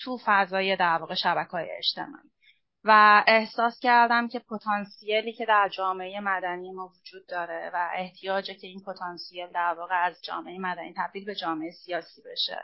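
A woman with a plain, everyday voice speaks at a fairly quick pace in a medium pitch. Her intonation is fairly even, with big swings in loudness. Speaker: party official and women's affairs secretary. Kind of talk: panel discussion.

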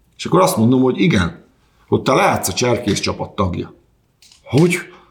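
Pitched in the medium range, a man's somewhat breathy voice moves through very wide pitch swings. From southern Slovakia (Hungarian minority), Bős. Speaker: history teacher. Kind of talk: interview.

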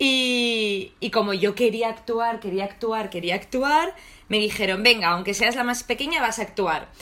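A woman with an Aragonese accent, bright, sharp tone and fairly high pitch, at a fairly slow pace. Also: ordinary pitch variation. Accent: Spanish (Aragon). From Spain, Zaragoza. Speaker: actress. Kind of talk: interview.

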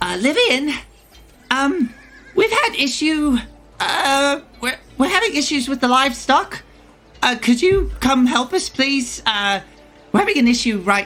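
Someone uses a put-on character voice with a high pitch, talking at a very slow pace with long, frequent pauses. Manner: urgent, flustered.

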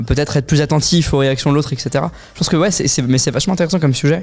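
Noticeable background noise sits behind a man speaking at a very fast pace. His pitch is fairly high, his intonation fairly even. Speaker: public speaking coach and content creator. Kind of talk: casual chat.

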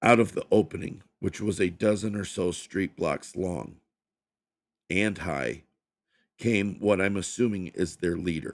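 A man uses a put-on character voice, raspy and very deep in pitch. He talks at a fairly slow pace with ordinary pitch variation and long, frequent pauses. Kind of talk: horror narration. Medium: read story. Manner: casual, profane.

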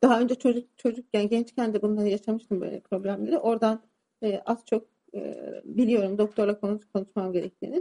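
A woman's fairly high pitch at a very fast pace, with a dry, close sound and no echo. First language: Turkish (speaking Swedish). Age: 40s. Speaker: defendant in criminal trial. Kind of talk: court testimony under questioning. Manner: halting, hesitant.

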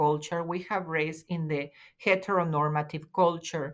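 A woman with a Spanish accent talks at a fairly low pitch. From El Salvador. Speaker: nonprofit executive director, activist. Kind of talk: interview.

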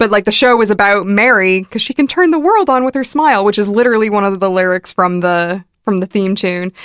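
Words rush out at a very fast pace with hardly any pauses in a Pacific Northwest accent, the sound dry and close with no echo. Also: woman, medium pitch for a woman, ordinary pitch variation. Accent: American, Pacific Northwest. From US Pacific Northwest (Seattle area). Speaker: shop owner and podcast guest. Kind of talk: casual chat. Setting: Dublin, lives in Ireland.

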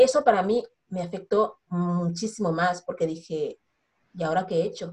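Somewhat breathy and dark, mellow in tone, a woman speaks at medium pitch with ordinary pitch variation. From Equatorial Guinea, Bata; partly raised in Cameroon and Gabon. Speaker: movement founder and social media activist. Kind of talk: interview conversation.

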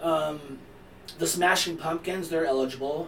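Behind this man there's noticeable background noise. He talks at a moderate pace. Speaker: podcast co-host. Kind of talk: casual chat. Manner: loud at times.

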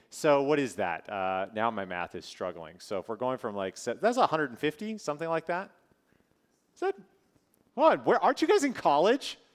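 The speaker has an animated tone and an American accent, with very wide pitch swings and big swings in loudness. The pace is moderate, and the sound is dry and close with no echo. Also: man, fairly high pitch for a man. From US Midwest, northern Minnesota. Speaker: preacher, Old Testament scholar. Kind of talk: sermon.

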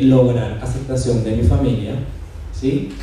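A man speaks at a very slow pace in a medium-pitched, flat monotone, with noticeable background noise behind him. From Colombia/Venezuela. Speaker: travesti performer. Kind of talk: live podcast interview. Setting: bar stage with audience.

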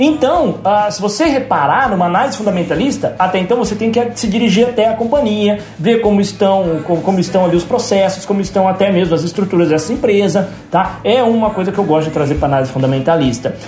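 With hardly any pauses, a man speaks at a very fast pace in a high pitch with lively intonation, noticeable background noise behind him. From interior of São Paulo state, Brazil. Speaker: stock market investing educator, finance youtuber. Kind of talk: interview, explaining investing. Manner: casual, explanatory.

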